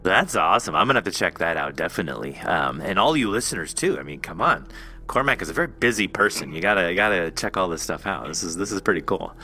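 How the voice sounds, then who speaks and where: A man's voice: low voice, animated, fast, sharp tone. A man hosting a podcast interview, chatty and encouraging in a casual conversational style.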